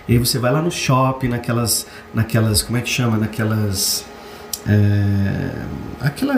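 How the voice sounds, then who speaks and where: A man with a Brazilian Portuguese accent hosting a casual motivational talk. He jumps up in pitch when mimicking complainers and searches for words with chatty fillers. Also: darkish tone. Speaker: host. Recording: roomy echo with faint background noise.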